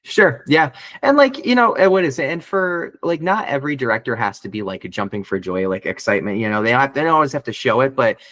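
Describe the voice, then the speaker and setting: Expressive and quick, barely pausing, a man who voices characters rambles through a casual interview with many restarts and fillers. His fairly bright tone has some bass, captured in a dry recording.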